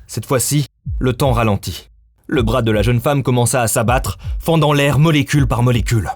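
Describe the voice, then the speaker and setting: A man's voice: mid-range voice, moderate pace, faint music behind. A man reading scripted, dramatic story narration as the narrator.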